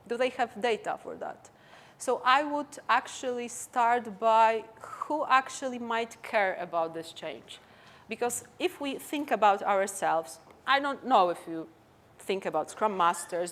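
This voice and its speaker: A woman with a Polish accent, a native Polish speaker, giving a conference talk and answering questions in an animated, conversational way. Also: medium pitch. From Poland. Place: conference stage.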